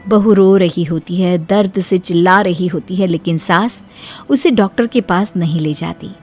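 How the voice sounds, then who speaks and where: A woman narrating a cartoon family story in a steady storytelling manner. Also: lowish voice, moderate pace, soft background music.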